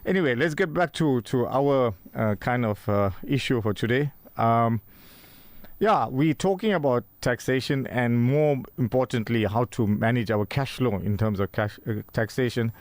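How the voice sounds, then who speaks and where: Halting South African male radio host. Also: medium pitch, dry recording. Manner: hesitant, many fillers and restarts. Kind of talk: casual radio interview. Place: radio studio.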